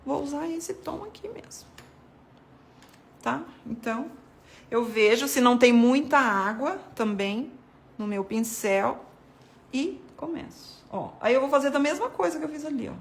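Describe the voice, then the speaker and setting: Woman, a little higher pitch, relaxed chatty art teacher talking while she paints. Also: a little slow, vocal fry. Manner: chatty, addresses viewers as "gente", points things out while painting. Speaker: art devotional host. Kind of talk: casual watercolor painting tutorial.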